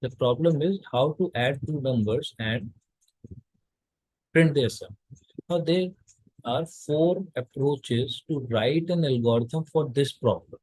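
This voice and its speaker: A man's voice: medium pitch, slow, a little mellow, no room sound, rough recording. Man giving a slide lecture, dry sound. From India. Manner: explains step by step with frequent fillers and restarts. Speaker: college lecturer.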